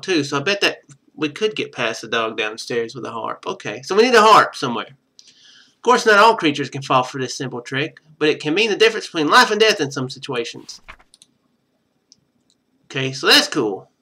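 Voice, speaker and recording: A man's voice: fairly high pitch, sing-song, normal speed, sharp tone. A man streaming a game, reading its text aloud and thinking through it in casual commentary. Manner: thinks aloud while playing.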